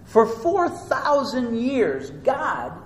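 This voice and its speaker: A man preaching a sermon. He teaches earnestly, rising and slowing down for emphasis. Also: extremely high pitch, huge pitch swings. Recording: echoey room with faint noise.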